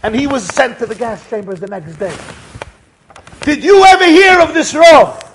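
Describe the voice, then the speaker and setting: Casting: emotional old Jewish man played by a male storyteller, high-pitched, insistent, stretching key words, faint noise. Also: animated, brisk. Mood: impassioned. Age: older. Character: emotional old Jewish father from Argentina, Holocaust survivor.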